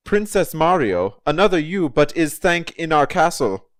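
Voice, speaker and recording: A man's voice: fairly high pitch, lively intonation, slow, dry recording, pitched above the performer's own voice. A man putting on the giddy mandatory fun commissioner. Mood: giddy showman. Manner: exaggerated, giggly, fumbling showman. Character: pompous mandatory fun commissioner man, German-like put-on accent.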